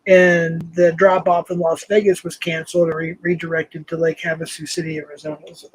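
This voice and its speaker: A man's voice: on the high side, steady tone, moderate pace, husky, rough recording. An older man hosting a live stream, casual and rambling, laughing often. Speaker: host.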